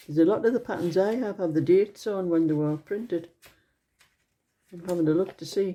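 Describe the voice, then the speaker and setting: A woman with a British accent speaks fairly quickly in a dark, mellow tone at a fairly low pitch, with ordinary pitch variation and big swings in loudness. The recording is very clean, with a silent background. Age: 70s. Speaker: knitting video maker. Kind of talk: casual show-and-tell. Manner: meandering, conversational.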